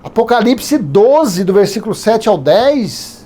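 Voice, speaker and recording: A man's voice: high-pitched, very animated, takes it slowly, warm tone. A Brazilian man in his fifties with a Brazilian accent, teaching an informal Bible study in a rambling, conversational way full of digressions. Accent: Brazilian Portuguese. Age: 50s.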